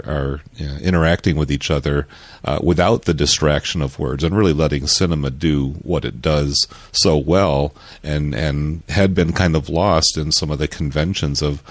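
Very deep man, halting and reflective. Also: no room sound. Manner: halting and reflective, many fillers. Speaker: podcast panelist. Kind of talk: casual film discussion.

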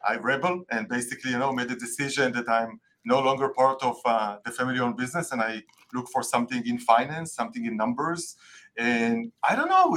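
A man's voice: medium pitch, a bit bright. A man with an Israeli accent, a native Hebrew speaker, answering interview questions in English and often searching for words. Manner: many fillers, searching for words. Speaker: guest tax expert.

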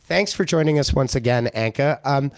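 A man hosting a business podcast in a casual, upbeat interview style, his voice slightly hoarse. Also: mid-range voice, normal speed, no room sound. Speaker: podcast host.

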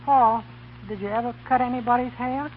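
An actor playing a skeptical, wisecracking young American college student with sarcastic, mock-formal quips in a 1930s radio comedy. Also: male voice, very high-pitched, fairly even intonation, a little fast, narrow, tinny audio. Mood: mock-pompous. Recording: thin, noisy 1930s radio broadcast.

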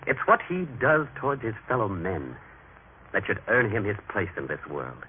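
A man's voice: lowish voice, huge pitch swings, normal speed. An actor playing a grateful, repentant injured man, earnest and emotive, in an old religious radio drama. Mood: insistent, heartfelt. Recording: tinny, noisy vintage radio recording.

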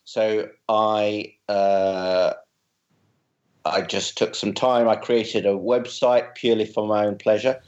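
Low-pitched man, posh British accent, well-spoken, wry, casual podcast chat, slightly dull lo-fi sound. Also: little pitch movement, takes it slowly, a little mellow. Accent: posh southern English. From London, England. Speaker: podcast guest, writer and comic character creator. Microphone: remote video call.

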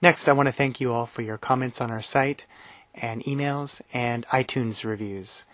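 A man hosts a language-learning podcast in a relaxed, friendly manner. His voice sits at a middle pitch. The recording is dull and dry, with no room sound. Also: normal speed, dry recording. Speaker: podcast host. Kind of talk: casual podcast talk.

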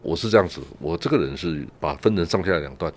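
This deep-voiced Taiwanese guest commentator talks fast and expressively during a relaxed radio chat. He spins travel stories packed with rhetorical questions, peppering them with "right?" and "ha."

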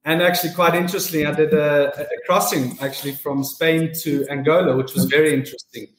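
A man's voice: a little high, steady tone, quick pace, fairly bright tone, echoey room, rough recording. A young man, a former yacht officer in business development, answering casually with lots of "you know". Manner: casual, repeats words, uses "you know" often. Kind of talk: podcast interview answers.

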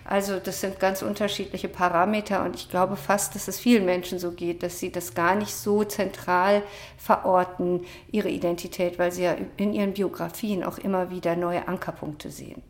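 A woman author answering interview questions in a measured, academic way, with frequent hesitation sounds. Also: fairly low pitch, level tone. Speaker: author and social scientist, interview guest.

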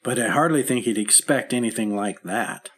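A wry, stubborn patient. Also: male voice, medium pitch, fairly bright tone, husky. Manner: wry, joking, halting when upset. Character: recovering husband, wry and stubborn. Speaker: hospital patient. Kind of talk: 1950s radio acting.

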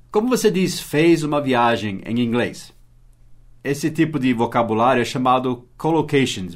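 A man from Brazil teaching English in a podcast lesson, explaining patiently, spelling words letter by letter and often checking that the listener follows. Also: mid-range voice. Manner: asks frequent rhetorical checks.

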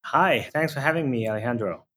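A man's voice: mid-range voice, lively intonation, fairly quick, fairly bright tone, husky. Hesitant male founder from Hong Kong. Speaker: startup founder guest. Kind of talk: interview answers.

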